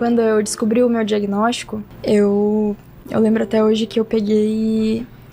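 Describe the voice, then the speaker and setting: Her fairly high pitch stays monotone, with a flat intonation as the woman talks. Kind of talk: interview testimony. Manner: casual, halting with fillers.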